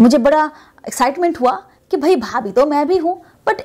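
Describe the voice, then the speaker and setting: A woman speaks with a high pitch. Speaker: vlogger. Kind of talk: casual vlog chat. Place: home room. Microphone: lapel.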